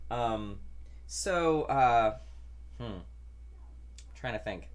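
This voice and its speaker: A young trans man chatting casually in a weekly vlog, rambling and self-deprecating, with a deep voice that doesn't carry. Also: animated, extremely slow. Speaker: vlogger.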